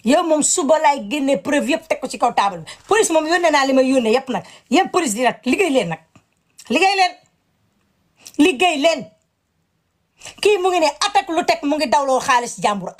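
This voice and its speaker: A woman giving impassioned commentary, indignant and emphatic, repeating her words. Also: sits high.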